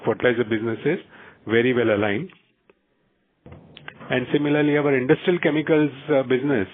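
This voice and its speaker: Indian-accented male executive on a phone line. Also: medium pitch. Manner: measured, halting phrasing with frequent pauses. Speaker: company executive giving management commentary. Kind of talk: earnings call presentation, semi-prepared business remarks. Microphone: telephone conference call. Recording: tinny, narrow-band conference phone line.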